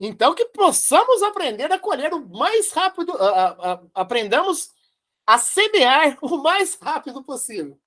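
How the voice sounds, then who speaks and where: A woman's voice: sits high, very animated, normal speed, fairly bright tone. A woman with a Brazilian Portuguese accent giving a devotional study commentary, emphatic, repeating key phrases and asking rhetorical questions. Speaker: Spiritist study presenter.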